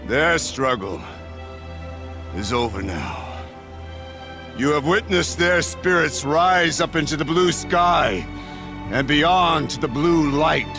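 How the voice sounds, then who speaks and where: Fierce, gravelly tribal war chief. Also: male voice, fairly high pitch, expressive, over music. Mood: solemn, resolute. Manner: solemn, commanding oratory with slow deliberate phrasing. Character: fierce, grieving male tribal war chief rallying hunters. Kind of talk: rousing battle speech in a video game.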